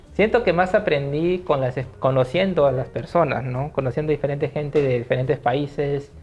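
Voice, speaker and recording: A man with a Peruvian accent speaks at a moderate pace with hardly any pauses. His fairly high, somewhat breathy voice has ordinary pitch variation. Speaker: writer. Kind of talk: interview. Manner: hesitant, many fillers.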